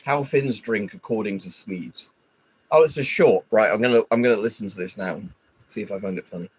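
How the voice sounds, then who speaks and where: A man's voice: fairly low pitch, fairly quick, slight background noise, rough recording. A man rambling and grumbling through a casual live stream, stuffy with hay fever and swearing often. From United Kingdom. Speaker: livestreamer.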